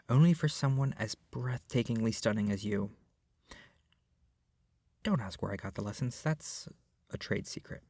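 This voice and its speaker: Man acting a breathy, doting lovestruck yandere kidnapper. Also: mid-range voice, no room sound, studio quality. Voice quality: soft, breathy, often dropping to a whisper. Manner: gushing, earnest, coaxing, awkwardly sweet. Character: lovestruck, doting young male yandere kidnapper, clingy and tender. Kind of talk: ASMR roleplay, intimate second-person acting. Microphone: close microphone, dry.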